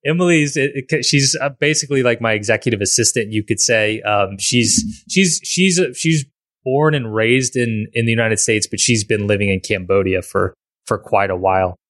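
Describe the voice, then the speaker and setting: A man's voice: on the low side, moderate pace, a bit bright, dry recording, clean studio sound. A man hosting a podcast in casual conversation, rambling with frequent restarts and repeated words. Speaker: podcast host.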